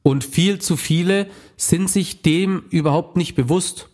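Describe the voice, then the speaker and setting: A man's voice: sits high, unhurried, darkish tone. A man in casual conversation, talking bluntly and with slang about his past experiences. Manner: blunt, colloquial, with slang and swearing. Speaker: former drug user sharing experience.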